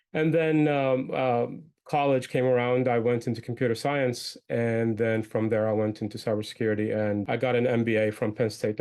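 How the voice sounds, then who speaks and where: A man's voice: mid-range voice, darkish tone. A man from Iraq who moved to the United States young, speaking as an interview guest in a conversational, explanatory way. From born in Iraq, moved young to the United States. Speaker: guest, entrepreneur and podcaster.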